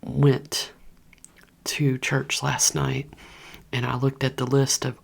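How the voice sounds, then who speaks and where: In a slow, flat, very low breathy whisper, a woman gossips to her ASMR audience, wandering from topic to topic and calling them "you guys." She's indoors at home with a heater running.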